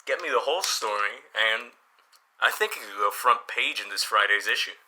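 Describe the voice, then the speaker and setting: A man's voice: on the low side, expressive, moderate pace, pushed and bright, heavily acted, rough recording. A man playing a helpful, easygoing small-town newspaper boss in an audio drama, chatty and encouraging as he explains things. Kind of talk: audio drama dialogue, conversational.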